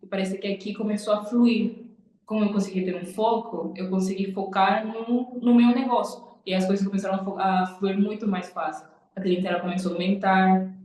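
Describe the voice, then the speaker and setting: A woman's voice: medium pitch, steady tone, fairly quick, darkish tone. A young Cuban woman, a nail designer, earnestly telling her personal story in an interview. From Cuba. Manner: earnest, repeats "literalmente" and "tipo". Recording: echoey room.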